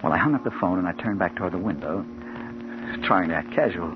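An actor playing a hard-boiled crime reporter narrating in 1940s radio style. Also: male voice, low voice, lively intonation, fast, noisy background. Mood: brooding. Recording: dull old radio broadcast.

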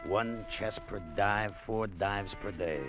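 An eager treasure hunter narrates in a lowish voice, excitable when things go his way. Music plays under the old radio broadcast. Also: takes it slowly, lo-fi sound. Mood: narrating. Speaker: narrator and salvage partner. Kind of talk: 1950s radio drama narration.

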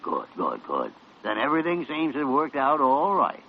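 An actor playing a gruff, bossy senior hospital doctor who barks orders and teases, in an old radio drama. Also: male voice, medium pitch, wildly swooping pitch, moderate pace, a little hiss or hum. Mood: dry. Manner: barking, teasing, growly. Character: gruff bossy older male chief doctor. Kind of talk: 1950s radio drama acting. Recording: dull lo-fi old radio recording.

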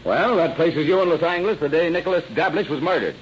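A man's voice: on the high side, lively intonation, close to an everyday voice. A man playing a stern police captain. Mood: commanding. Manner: firm, commanding, measured. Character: firm male police captain, stern and patient. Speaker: police detective. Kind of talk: 1930s radio drama acting. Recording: dull old radio recording with faint noise.

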